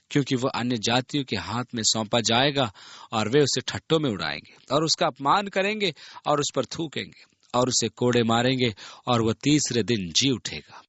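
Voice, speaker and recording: A man reading a Bible passage aloud and explaining it in an earnest, expressive manner. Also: medium pitch, husky, no room sound, dull audio. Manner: earnest, expressive reading that voices the people in the story. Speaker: Bible teacher.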